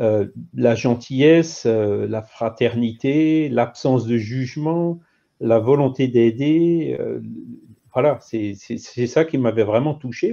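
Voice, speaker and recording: Delivered at a very slow pace, the voice has a dark, mellow tone and ordinary pitch variation. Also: man, medium pitch for a man. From France. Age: 60s. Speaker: retired engineer. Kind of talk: testimony. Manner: halting, many hesitations.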